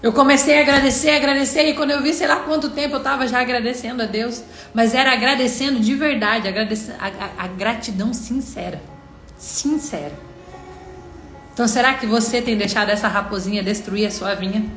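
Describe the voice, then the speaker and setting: Brazilian woman, high voice, devotional live-stream speaker, earnest, roomy echo with faint music behind. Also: fairly even intonation, brisk, fairly bright tone. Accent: Brazilian Portuguese. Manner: earnest, addresses viewers directly, quotes God in dialogue. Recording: echoey room with faint music.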